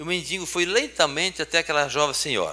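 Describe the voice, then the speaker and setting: Recorded very cleanly against a silent background, a man speaks with a bright, sharp tone and vocal fry. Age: 60s. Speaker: lay preacher. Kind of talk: sermon.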